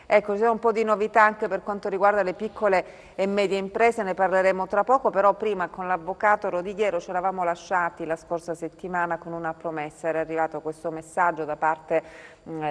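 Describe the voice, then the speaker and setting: Low-pitched woman presenter in reverberant space. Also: flat delivery, a little fast. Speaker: presenter of a call-in programme. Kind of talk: live talk show hosting. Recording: long hall reverb.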